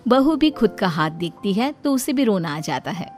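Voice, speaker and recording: A woman narrating a cartoon family story in a steady storytelling manner. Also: mid-range voice, normal speed, faint music behind.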